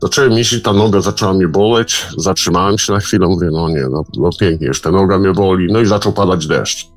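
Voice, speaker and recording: A man telling a personal story in casual speech, halting, with repeated words and restarts. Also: sits low, no room sound.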